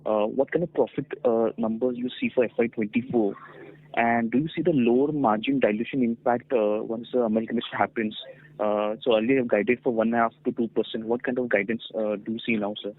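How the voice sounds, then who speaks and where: A man's voice: medium pitch, brisk, gravelly, slight background noise. A man asking questions on a conference call over a phone line, polite and hesitant, with many fillers.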